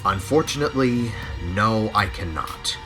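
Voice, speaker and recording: A man voicing a kind, very old male steam engine in a soft, earnest manner. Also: fairly low pitch, expressive, measured pace, music in the background. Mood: gentle.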